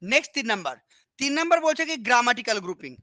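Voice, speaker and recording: Woman coaching teacher, crisp bright tone, close dry mic, drills terms, keeps asking if you follow. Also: on the high side, big pitch swings, racing, no echo. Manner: repetitive, quizzing, asks "understood?" often. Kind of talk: Bengali lesson on English teaching with repeated questions.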